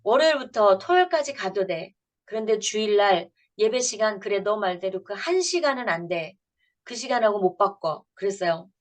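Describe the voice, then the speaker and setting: A woman's voice: medium pitch, expressive, moderate pace. A woman in her fifties, a pastor lecturing parents at church. She talks in an earnest, storytelling way and plays out family conversations as she goes.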